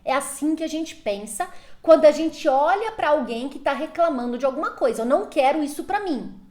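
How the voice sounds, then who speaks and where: A woman's voice: sits high, expressive, fairly quick, darkish tone. A woman with a Brazilian Portuguese accent giving parenting advice straight to her viewers, emphatic and full of rhetorical questions. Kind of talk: direct-to-camera advice talk.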